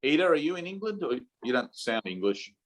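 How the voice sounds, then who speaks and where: A man's voice: fairly high pitch, big pitch swings, a little fast, low-quality recording. A man leading an informal spiritual teaching session over a video call, often checking in with his listeners with "okay?" and "right?".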